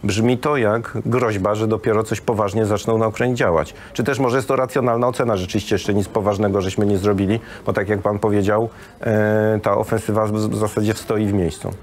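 Low-voiced studio host asking questions. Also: male voice, fairly even intonation, brisk, a little hiss or hum. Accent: Polish. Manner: conversational, hesitant fillers. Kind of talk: news interview questions.

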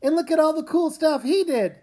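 A woman's voice: sits high, expressive, fairly quick, warm tone. A woman voicing a stubborn, argumentative young girl, an older sister in a comic read-aloud.

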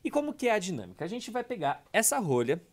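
A man's voice: sits high, huge pitch swings, quick pace. A man from Brazil hosting a podcast, chatting with enthusiastic interjections. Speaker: podcast host. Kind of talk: casual interview chat.

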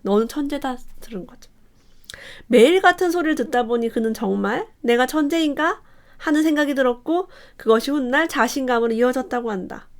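Animated woman reviewing a parenting book. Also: brisk. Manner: animated, reads quotes aloud with lively shifts in pitch.

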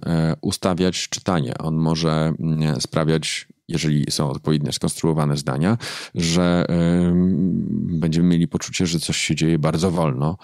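A man, a book editor, explaining his craft thoughtfully in an interview, pausing often with fillers. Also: deep voice, a little mellow, no echo, studio quality. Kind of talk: interview conversation.

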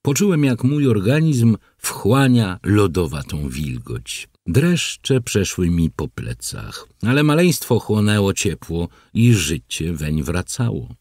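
A man with a low, slightly husky voice tells a first-person story for an audiobook. His pitch moves in a lively way as he narrates wryly. The recording is dry and close. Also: slow, few pauses, no room sound.

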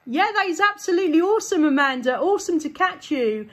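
High-pitched enthusiastic woman on CB. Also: expressive, fast talker. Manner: effusive, enthusiastic. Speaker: CB radio operator. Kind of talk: casual radio contact chat. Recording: faint radio hiss and noise.

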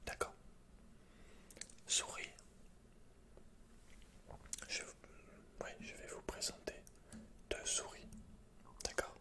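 Young man whispering hesitantly. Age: young adult. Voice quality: breathy, unvoiced whisper. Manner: hesitant, halting, softly murmured. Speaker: ASMR performer playing a computer shop salesman. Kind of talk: whispered ASMR roleplay. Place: indoors, quiet room with dark backdrop.

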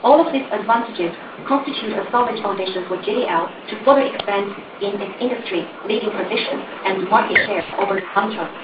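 A woman's voice: medium pitch, a little fast, hardly any pauses. A woman interpreter carefully reading formal corporate remarks on a conference call. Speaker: interpreter for executive. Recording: dull, roomy, noisy distant conference line.

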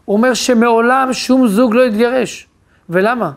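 A rabbi giving a religious lecture, telling family stories in a lively way that brings the people in them to life. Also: male voice, very high voice. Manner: animated storyteller who acts out quoted voices.

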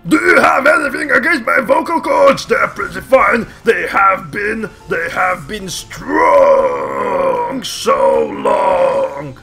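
A man's voice: sits high, very animated, creaky, soft background music, pitched above the performer's own voice, heavily acted. A man doing a bellowing Viking caster. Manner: shouted, drawn-out hype delivery. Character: bellowing male Viking caster, loud and theatrical.

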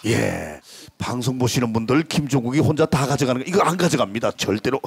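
A man's voice: medium pitch, fairly quick, vocal fry, slightly rough. A middle-aged man hosting a singing contest on an open-air stage into a handheld mic, teasing and bantering. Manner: teasing, animated. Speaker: host of a televised singing contest. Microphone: handheld microphone.

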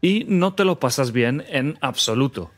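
A man from Spain with a Spanish accent, hosting a scripted podcast lesson segment and repeating phrases clearly for learners. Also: mid-range voice, expressive. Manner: clear, measured delivery with phrase repetition. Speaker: co-host teaching Spanish phrases.

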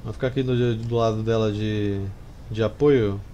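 Brazilian man, mellow game commentary over noise. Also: fairly low pitch, fairly even intonation, moderate pace. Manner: informal, slangy. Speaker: gameplay streamer. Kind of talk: casual strategy game commentary. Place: small room indoors. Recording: clear background noise. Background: game sounds and ambience.

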